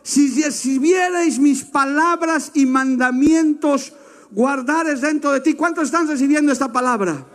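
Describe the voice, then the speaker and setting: High-voiced man preaching with fervor. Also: measured pace. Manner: impassioned preaching, swinging between shouts and low asides. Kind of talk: sermon.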